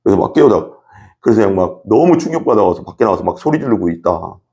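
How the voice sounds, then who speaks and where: A man's voice: on the low side, big pitch swings, fast talker, warm tone, muffled recording. A man preaching a sermon as pastor. He repeats words for emphasis, acts out little scenes, and keeps asking his listeners questions. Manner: emphatic, repetitive, acts out examples and asks the congregation questions.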